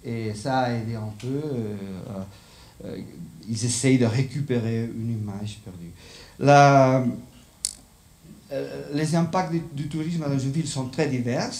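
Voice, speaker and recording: A man's voice: mid-range voice, unhurried, darkish tone. Hesitant man with a foreign Spanish accent. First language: not French, speaks it as a foreign language. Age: middle-aged. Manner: hesitant, searching for words in a second language. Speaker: conference speaker. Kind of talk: live lecture with slides. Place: indoor lecture room with seated audience. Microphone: handheld microphone. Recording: echoey room, slight background noise.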